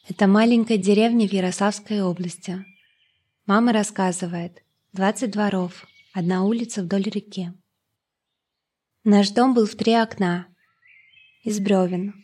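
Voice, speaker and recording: Measured woman narrating an audiobook. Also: mid-range voice, husky. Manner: calm, measured first-person reading.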